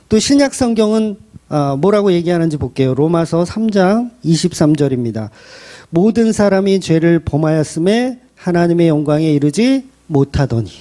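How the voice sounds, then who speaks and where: A man's voice: sits high, warm tone. A man pastor delivering a blunt, colloquial sermon full of rhetorical questions.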